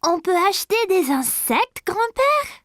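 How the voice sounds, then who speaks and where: A woman's voice: sing-song, dry recording, studio quality, exaggerated voice. A woman voicing an eager, curious, impatient little preschool boy in a children's cartoon, with a childlike, questioning way of talking. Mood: excited, curious. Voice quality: high, bright, childlike. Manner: exclaiming, questioning, slow simple delivery.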